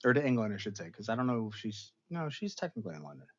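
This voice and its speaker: Chatty, animated man recapping an episode. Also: lowish voice, rapid-fire, muffled recording. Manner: animated, chatty storyteller with dramatic outbursts. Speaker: show host reviewing an episode. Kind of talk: casual recap to a live chat.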